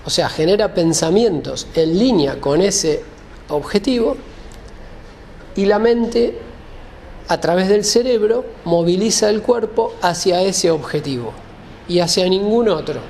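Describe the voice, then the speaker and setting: A man's voice: high-pitched, expressive, a little slow, creaky, a little mellow, a little hiss or hum. A man giving an explanatory lecture, speaking didactically, often rephrasing and checking that listeners follow.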